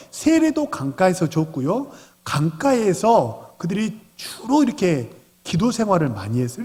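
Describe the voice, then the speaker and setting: Animated male pastor in an echoing hall. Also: high voice. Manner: animated, asks the congregation questions. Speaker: senior pastor. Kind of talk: Sunday sermon. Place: church sanctuary. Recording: long reverb of a church hall.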